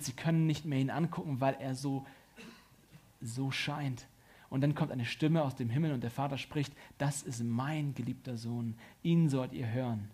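A man preaching a sermon, often building to loud, high-pitched emphasis and then dropping to a quiet voice. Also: slightly rough. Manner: preaching with strong surges in pitch and volume.

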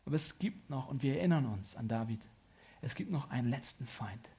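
A man preaching a sermon, often building to loud, high-pitched emphasis and then dropping to a quiet voice. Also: animated, brisk, husky. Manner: preaching with strong surges in pitch and volume.

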